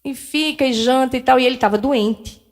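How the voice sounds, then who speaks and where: A woman's voice: high voice, brisk. A middle-aged woman, telling a personal story as a lecturer at a spiritist center, candid and self-deprecating, acting out dialogue with shifting voices. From Northeast Brazil.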